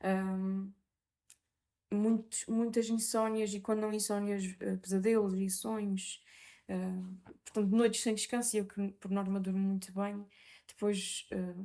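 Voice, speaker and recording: Using a dark, mellow tone at a medium pitch, a woman speaks at a fairly slow pace with monotone, flat intonation and long, frequent pauses. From Azores, Terceira Island. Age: 20s. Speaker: university student. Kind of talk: personal interview testimony. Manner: hesitant, many fillers.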